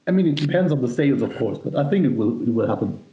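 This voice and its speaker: A man's voice: medium pitch, lively intonation, fast talker. A man with a German accent, a native German speaker and singer, giving enthusiastic, emphatic answers in a casual interview and often repeating words. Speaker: musician, power metal singer being interviewed. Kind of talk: casual interview talk, telling anecdotes. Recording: roomy echo, dull lo-fi sound.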